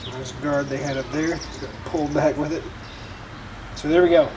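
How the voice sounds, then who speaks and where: A man's voice: fairly high pitch, steady tone, normal speed. Distant, noisy man's voice narrating DIY work. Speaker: DIY car tutorial host. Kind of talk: casual how-to narration while working. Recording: distant mic, clearly noisy, vehicle ambience.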